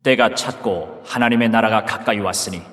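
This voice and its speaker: A man's voice: lowish voice, moderate pace, fairly bright tone, lightly acted. An actor playing a solemn grown man who speaks with authority in a dramatized scripture reading. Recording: long reverb.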